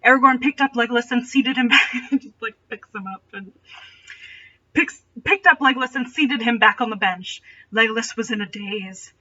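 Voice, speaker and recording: A woman's voice: fairly high pitch, normal speed, sharp tone. A woman reading a story aloud in a dramatic style, dropping in playful, sarcastic asides. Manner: sardonic, playful. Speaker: reader and commentator. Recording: dull, distant home microphone.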